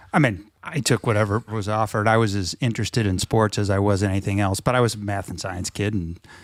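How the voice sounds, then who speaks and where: Speaking at a very fast pace with hardly any pauses, a man with a Midwestern accent keeps a fairly low pitch and fairly even intonation in a very clean recording with a silent background and a dry, close sound with no echo. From US Midwest, Saint Charles, Illinois. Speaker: venture capitalist, company co-founder. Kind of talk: casual interview.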